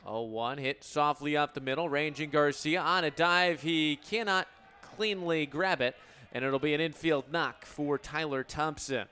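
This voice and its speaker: An American man in his twenties calling live baseball play-by-play for radio in a crisp, descriptive announcer delivery. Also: fairly high pitch, sharp tone. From Illinois, United States. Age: 20s.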